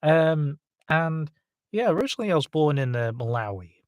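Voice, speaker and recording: A British man with a hint of American in his accent, a voice actor chatting on a live stream, halting with many fillers. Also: a little high, sing-song, no room sound. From England. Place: home studio.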